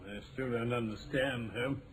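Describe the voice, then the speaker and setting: An actor playing a loyal, bumbling gentleman sidekick with a British accent, hesitant and flustered, in old radio drama style. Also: mid-range voice, fairly even intonation, moderate pace, a crowd in the background, lightly acted. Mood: puzzled. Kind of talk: 1940s-50s radio mystery acting. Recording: noisy old-time radio recording.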